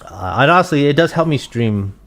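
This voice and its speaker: Soft-spoken young man streaming a game. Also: medium pitch, brisk. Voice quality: soft, gentle voice. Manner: soft-spoken, relaxed, reads chat aloud, thinks out loud with restarts. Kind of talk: casual live-stream chat while gaming.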